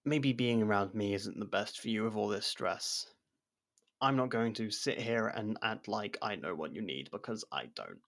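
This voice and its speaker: Creaky-voiced, guarded male convict played by an actor. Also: fairly low pitch, expressive, normal speed. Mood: firm, frustrated. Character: jailed man helping an investigator, guarded, blunt, wryly supportive. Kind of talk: ASMR roleplay audio drama.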